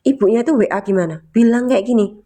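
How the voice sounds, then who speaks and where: A woman's voice: a little high, fast talker, warm tone. A woman telling a personal story to listeners, emotional and casual, often checking in with them. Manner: emotional, keeps asking listeners "you know?". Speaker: motivational storyteller.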